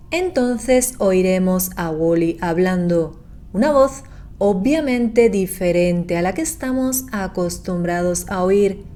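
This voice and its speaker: A woman delivering scripted narration for a horror recap, in a measured, explanatory manner. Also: on the low side, warm tone.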